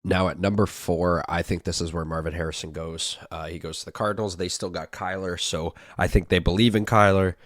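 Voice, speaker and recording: A man hosting a casual sports chat, stuffy from a cold, relaxed and full of fillers. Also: sits low, brisk, few pauses, no echo, studio quality. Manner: laid-back, filler-heavy. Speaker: podcast host.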